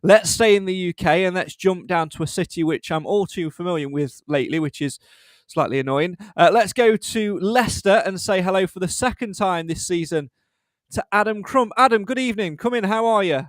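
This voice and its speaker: A man's voice: sits high, brisk, dry recording. A man hosting a live fan podcast in a chatty, self-deprecating way, with frequent fillers. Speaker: podcast host.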